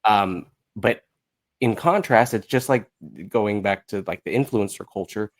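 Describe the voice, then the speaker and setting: A man's voice: fairly low pitch, unhurried. An American man in his thirties, talking casually as a podcast guest, informal and given to acting out examples. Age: 30s. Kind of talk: casual conversational talk.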